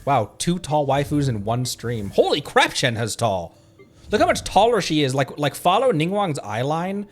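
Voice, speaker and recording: Excitable man chatting over gameplay. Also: a little high, normal speed, faint music behind. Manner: excitable, laughs often, rambling with restarts. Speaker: VTuber streamer. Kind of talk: casual gameplay chat.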